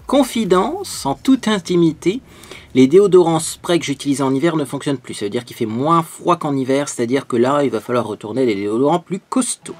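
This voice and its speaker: Chatty higher-voiced male beauty vlogger. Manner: chatty and explanatory, many fillers and tag questions. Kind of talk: get-ready-with-me vlog, product demo.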